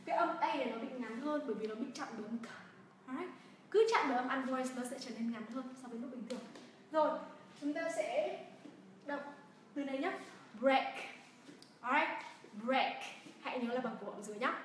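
A high-pitched woman with a Vietnamese accent runs a livestreamed pronunciation lesson, saying each word slowly and repeating it several times. She sounds set back from the mic in a very echoey room. A faint hiss sits under her voice. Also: recorded from a distance. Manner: drills words slowly and repeats them. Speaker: English pronunciation teacher.

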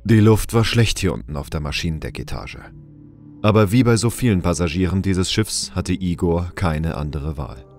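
A man narrating a scripted audio drama in a measured storytelling manner. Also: low voice, animated, a little mellow, faint music behind.

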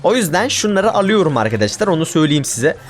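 A man's voice: a little high, very animated, fast, soft background music. A man giving casual commentary over his own gameplay, exasperated and ranting at his teammates. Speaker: gaming YouTuber.

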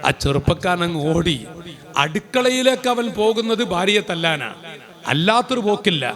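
A man with a high-pitched voice preaching a sermon. He draws out Arabic phrases slowly, almost chanting them, and then sinks to a hushed, intimate tone when he tells a story. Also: animated. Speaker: Islamic preacher.

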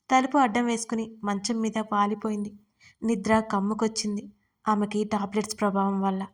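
A woman reading a romantic audio story in a steady storytelling way. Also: mid-range voice. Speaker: story narrator. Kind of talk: scripted audio story narration.

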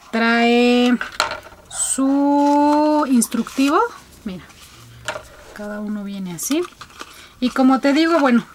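A young woman speaks slowly and casually, addressing her viewers directly and filling pauses as she goes. Her voice sits a little high, and faint background noise runs under the recording. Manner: chatty, addresses viewers directly, frequent fillers. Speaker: beauty vlogger reviewing colored contacts. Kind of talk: casual product review.

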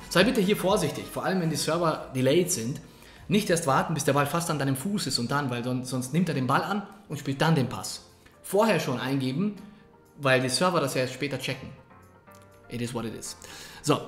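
A man giving energetic, colloquial coaching commentary over gameplay, talking straight to the viewer. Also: on the high side. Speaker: gaming coach. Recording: echoey room. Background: faint background music.

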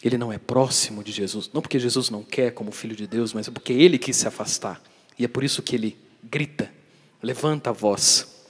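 A man preaching a daily catechesis sermon as a priest, emphatic and putting rhetorical questions to his listeners, his voice swinging between loud and soft for emphasis. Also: medium pitch, a little fast, slightly rough. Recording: long reverb of a large hall.

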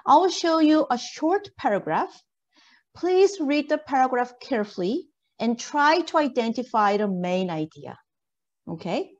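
A woman's voice: sits high, big pitch swings, a little slow, highs cut off. A woman lecturer giving an interactive online lesson in an encouraging way, checking understanding with questions. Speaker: university lecturer. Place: indoor video call.

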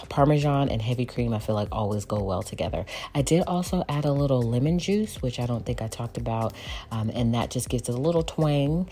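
A woman in her forties, a lifestyle vlogger, talking casually and homily about cooking and cleaning at home. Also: a bass voice. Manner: chatty, relaxed, homey. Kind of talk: casual cook and clean narration. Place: home kitchen. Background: soft background music.

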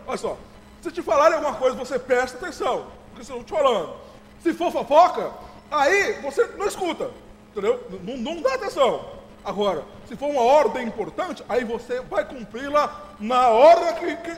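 A fussy, overbearing father who keeps chuckling and repeating his advice, played by a man. His voice sits very high and swings around a lot. The stage-play recording rings with long hall reverb. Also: slight background noise. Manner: chuckling, repeats himself, lectures.

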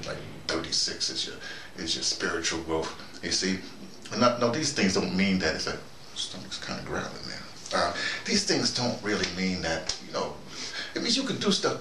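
An American man in his early sixties giving a rambling, informal monologue, halting and digressive, often repeating himself. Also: sits low. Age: early 60s. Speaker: vlogger. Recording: roomy, noisy, distant microphone.

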